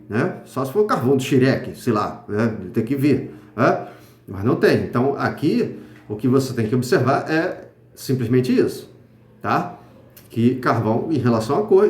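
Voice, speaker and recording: Lively, chatty teacher in an echoey room. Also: male voice, mid-range voice. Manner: chatty, checks understanding with constant tag questions; slangy and informal, with hesitant fillers. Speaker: Portuguese teacher. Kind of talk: casual spoken grammar lesson.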